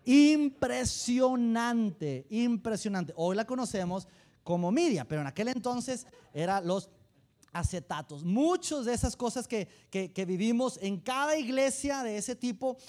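A man's voice: sits high, normal speed. A man with a Mexican accent, a pastor preaching a sermon who tells humorous stories and speaks straight to the congregation. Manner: animated, humorous storytelling, direct address to the congregation.

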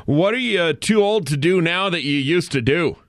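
A man's voice: on the high side, expressive, fairly bright tone, dry recording. Upbeat male radio host, dry studio sound. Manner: upbeat, brisk, leads the conversation. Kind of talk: morning radio talk.

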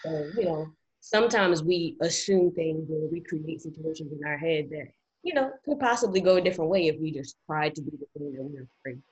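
A woman's voice: low voice, a little fast, darkish tone, husky, dull audio. A woman who gives earnest advice in casual talk and sometimes restarts her words. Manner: earnest, reflective, some stammered restarts.

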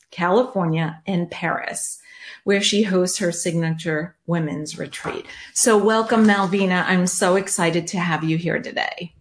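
An upbeat American woman from the United States hosting a podcast interview, laughing easily as she talks. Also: on the low side. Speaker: podcast host. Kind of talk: conversational interview.

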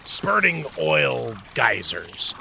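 A man's voice: on the low side, huge pitch swings, very slow, vocal fry, pushed and bright, exaggerated voice. An actor playing a good-natured, naive male traveler between dimensions who talks in a curious, easygoing way. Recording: noticeable background noise.

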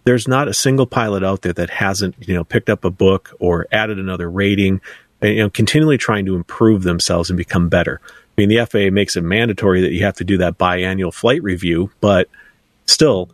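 Deep-voiced middle-aged man, wry and matter-of-fact, dry close mic. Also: a little fast, dry recording. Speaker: podcast co-host. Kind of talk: casual chat.

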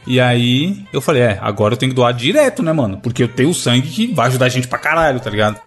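A man's voice: medium pitch, expressive, fast, a bit bright. A man hosting a casual podcast chat, joking and telling a story. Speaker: podcast host.

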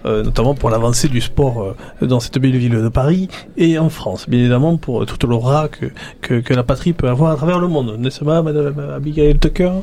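Mellow-voiced, halting male player. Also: medium pitch. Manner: halting, stumbles over words. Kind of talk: in-character tabletop role-play.

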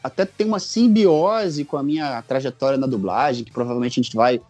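A Brazilian man in his forties chatting casually as a guest, telling personal stories in an animated, jokey, colloquial way. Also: medium pitch, brisk, faint music behind. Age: 40s. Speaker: podcast guest.

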